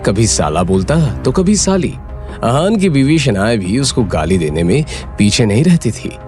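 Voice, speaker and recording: Man, narrator, dramatic storytelling, expressive, music bed. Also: medium pitch, normal speed. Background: background music.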